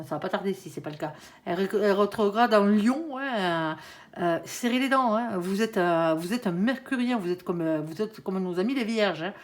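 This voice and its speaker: A woman with a Southern French accent giving a casual, chatty tarot reading to her viewers. She fills her talk with little tag words and laughs at her own jokes. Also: medium pitch. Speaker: tarot reader.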